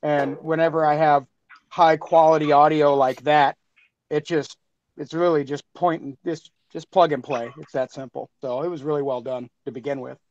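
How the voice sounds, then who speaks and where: A man's voice: a little high, flat delivery, normal speed, a little mellow, no echo, highs cut off. A man who edits the show's sound, speaking easygoingly through earbuds. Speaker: sound editor. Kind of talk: casual chat on a video call.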